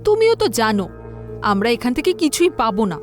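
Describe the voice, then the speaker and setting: Casting: actress as fed-up village wife, high voice, nagging and persuasive, audio drama with music underneath. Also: female voice, sing-song, normal speed. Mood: nagging, discontented. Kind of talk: dramatized horror audio story.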